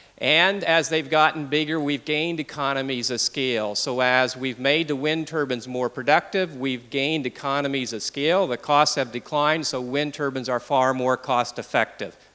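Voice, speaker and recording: A man with an ordinary speaking voice, an American accent and fairly high pitch, at a moderate pace with hardly any pauses and fairly even intonation. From United States. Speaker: wind energy expert, conference speaker. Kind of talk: conference talk.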